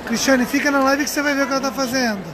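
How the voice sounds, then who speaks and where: A woman's voice: high-pitched, steady tone, very fast. A Brazilian woman hosting a casual live stream in a chatty, teasing way. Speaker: livestream host relaying viewer comments at a craft fair. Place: busy indoor craft fair hall. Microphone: handheld phone, behind the camera. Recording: loud trade fair crowd and noise.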